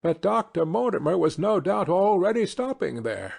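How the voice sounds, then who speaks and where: Guy doing a sharp-minded audiobook detective, precise questions, polite, slightly rough-edged voice. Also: high voice, big pitch swings, moderate pace, voice pushed up, exaggerated voice. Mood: probing. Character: keen, analytical male detective, brisk and courteous. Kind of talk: audiobook character reading.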